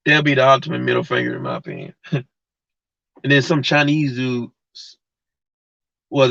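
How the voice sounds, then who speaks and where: Gravelly man ranting bluntly. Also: medium pitch, fairly bright tone, no room sound. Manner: blunt, heated, talks straight to viewers. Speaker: livestream host. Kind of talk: casual slangy rant to live chat. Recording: dull lo-fi mic.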